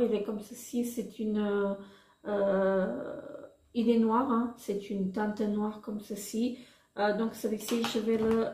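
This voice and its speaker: A woman vlogger casually showing her makeup products, halting often with fillers and restarts. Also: a little high, mellow, echoey room. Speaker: beauty vlogger.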